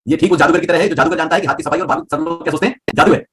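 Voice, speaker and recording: A man teaching a live voice class, explaining breathing, volume and pitch with everyday examples and often checking whether students follow. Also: fairly even intonation, rapid-fire, fairly bright tone. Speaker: voice coach.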